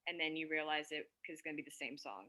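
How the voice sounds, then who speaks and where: Lower-pitched woman chatting casually. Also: quick pace, sharp tone. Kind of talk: casual chat. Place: online video call.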